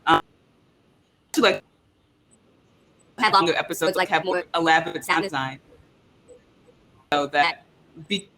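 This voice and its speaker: A young woman on a casual panel, talking in a scattered, halting way and often breaking off mid-phrase. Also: low-pitched, a crowd in the background. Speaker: audio drama creator and panelist. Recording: faint background noise and room ambience.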